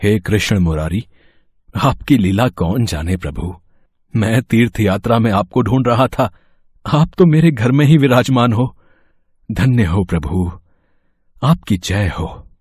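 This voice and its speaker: An actor playing a devout, kindly village farmer and father, speaking slowly and tenderly with a husky voice. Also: lowish voice, a little mellow, no room sound, studio quality, exaggerated voice. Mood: reverent. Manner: slow, tender, reverent speech. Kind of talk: dubbed devotional story acting.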